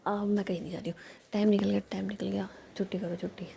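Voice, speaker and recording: Woman doing a pouty clingy young woman in a soft whisper, real dark and mellow. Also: medium pitch, flat delivery, fast talker, gravelly, slight background noise. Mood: sulky. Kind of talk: whispered storytelling.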